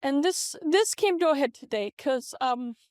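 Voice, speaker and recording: A woman's voice: high voice, expressive, moderate pace, a little mellow, no echo, studio quality. A middle-aged American woman talking candidly and hesitantly in a casual vlog, her voice run through a voice changer. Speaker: vlogger. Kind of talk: casual confessional vlog to camera. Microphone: webcam setup at a computer. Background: lo-fi game music.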